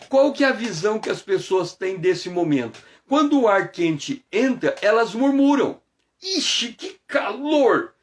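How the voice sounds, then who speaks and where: A Brazilian man, a pastor, leading a devotional prayer and sermon in an unhurried, reflective way with drawn-out phrases. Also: high voice.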